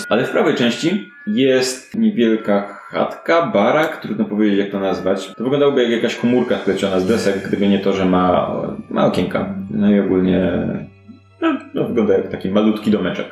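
A man's voice: on the low side, moderate pace, darkish tone. A man improvising descriptive narration as game master of a fantasy detective tabletop game. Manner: improvised, descriptive storytelling with hedging. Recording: roomy echo, faint music behind. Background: faint background music.

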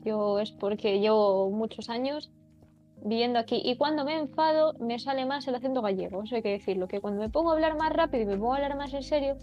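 A woman's voice: a little high, dark tone, highs cut off, soft background music. A young woman from Asturias, a streamer chatting frankly and casually while playing, swearing now and then. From Asturias, Spain. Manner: frank, talks fast when heated, swears casually. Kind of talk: casual chat while gaming.

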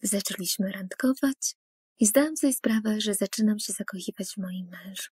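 Female storyteller with a husky, mellow voice for an animated first-person story, earnest, dry studio read. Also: mid-range voice, normal speed, no echo. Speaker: narrator.

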